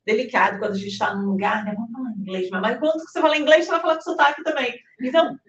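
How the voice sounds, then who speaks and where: Animated woman giving a devotional talk in a roomy hall. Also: on the high side, very fast, muffled recording, a little hiss or hum. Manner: animated, tag questions, acts out dialogue. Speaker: spiritist speaker. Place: hall in New Jersey. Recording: roomy, mic at a distance.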